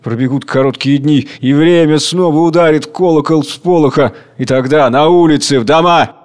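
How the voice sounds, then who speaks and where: A man voicing an old male tyrant who rouses a frenzied mob, loud and declamatory. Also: on the high side, normal speed, natural voice. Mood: rousing. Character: old male tyrant Tsar Hunger, rousing his rabble.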